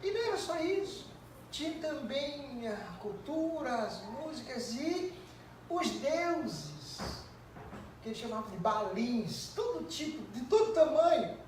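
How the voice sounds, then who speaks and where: A man's voice: very high-pitched, sing-song, a little slow. A Brazilian man preaching a sermon as pastor, talking in a conversational storytelling way with frequent tag questions. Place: church sanctuary. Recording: very echoey church, distant mic, faint noise.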